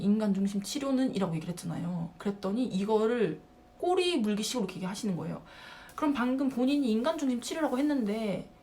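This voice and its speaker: Chatty young woman telling a story. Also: on the high side. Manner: animated, acts out quoted dialogue, frequent laughter. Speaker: vlogger. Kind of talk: casual storytelling vlog.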